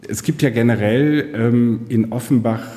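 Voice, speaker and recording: A man's voice: mid-range voice, normal speed, mellow. A man answering an interview question, hesitant with fillers. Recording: long reverb.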